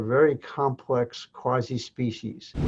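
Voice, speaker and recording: The voice is a man's, somewhat breathy. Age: 80s+. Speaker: Nobel Prize-winning virologist. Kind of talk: interview answer. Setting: video call.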